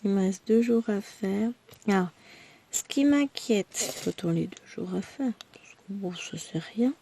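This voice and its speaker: A woman vlogger with a hoarse voice from a throat infection, chatting to her viewers in a rambling, tired, self-deprecating way. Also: medium pitch, measured pace, warm tone. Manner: speaks tired and worn out. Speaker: crafting vlogger. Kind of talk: chatty personal update to viewers.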